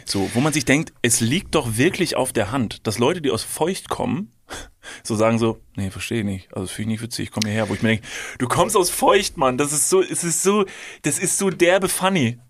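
A man's voice: mid-range voice, moderate pace. A young man co-hosting a comedy podcast, chatting casually and joking as he lists things off. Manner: jokey, lists things, laughs at own jokes. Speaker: podcast co-host.

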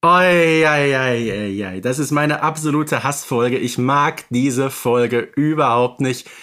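A man's voice: mid-range voice, takes it slowly, a bit bright. A man in casual podcast banter, giving his opinions emphatically.

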